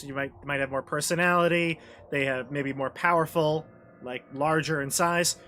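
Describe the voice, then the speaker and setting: A man's voice: medium pitch, pushed and bright, slight background noise. A man working as game master, improvising tabletop game narration and often searching for his words.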